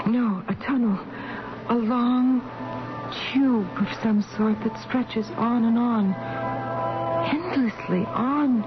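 An actress in a radio drama voicing a sick woman's drifting spirit, dreamy, halting and full of hushed wonder. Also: medium pitch, lightly acted. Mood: hushed awe. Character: frail dying woman, dreamy disembodied spirit, awed and tender. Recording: dull 1970s radio drama, loud music behind. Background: loud music.

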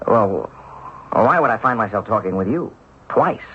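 A man's voice: on the low side, animated, moderate pace, husky. An actor playing an earnest, stubborn ordinary man bewildered by the supernatural in a radio drama. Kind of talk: 1970s radio drama acting. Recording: dull, faintly noisy old radio recording.

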